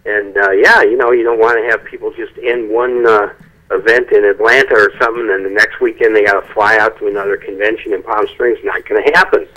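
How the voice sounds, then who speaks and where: A man with a fairly low, fairly bright voice chats as a guest songwriter on a speakerphone phone-in interview, talking a little fast with fairly even intonation. He rambles a little and restarts sentences, and the phone line keeps breaking up.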